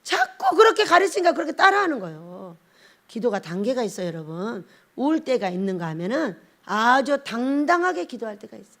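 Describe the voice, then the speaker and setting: Blunt emphatic woman preacher, high bright voice swinging up and down, acts out little scenes. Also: very animated, fairly quick. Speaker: pastor. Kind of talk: sermon.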